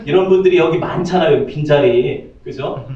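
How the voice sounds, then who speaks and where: A man's voice: on the high side, normal speed. A man preaching a sermon as pastor, joking and asking his congregation questions. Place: church sanctuary. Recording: distant, echoey, slightly dull church audio.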